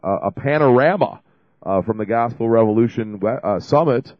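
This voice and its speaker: A man's voice: mid-range voice, moderate pace, dry recording, dull audio. A man hosting a call-in radio show, talking in a chatty, rambling, jokey way while he has a cold. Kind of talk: casual call-in radio talk. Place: radio studio.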